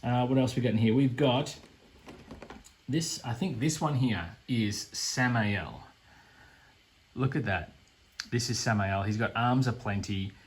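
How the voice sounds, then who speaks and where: A man's voice: medium pitch, a little slow, long pauses, slight background noise. An Australian man gushing with enthusiasm as he unboxes a board game, speaking casually. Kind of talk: unboxing commentary.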